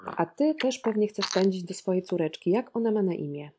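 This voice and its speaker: A woman's voice: medium pitch, expressive, fairly quick, warm tone, husky. A woman reading the lines of a stern, judgmental older male professor in a book discussion. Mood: judging.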